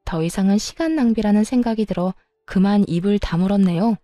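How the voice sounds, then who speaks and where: A woman's voice: mid-range voice, brisk, dark tone, no echo, soft background music. A woman narrating a revenge story in a chatty, confiding tone.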